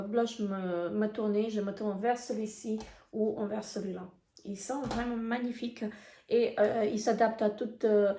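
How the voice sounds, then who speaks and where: A woman with a hoarse voice giving a casual beauty product review, talking in a halting way full of hesitations. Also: on the high side, dark tone. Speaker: beauty vlogger. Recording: echoey room.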